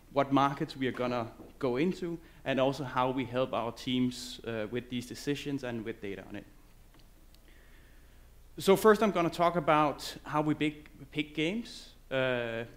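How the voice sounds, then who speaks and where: Male conference speaker, English, loose and halting on stage. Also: mid-range voice. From Denmark. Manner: loose, halting delivery with many fillers and restarts. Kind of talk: conference presentation.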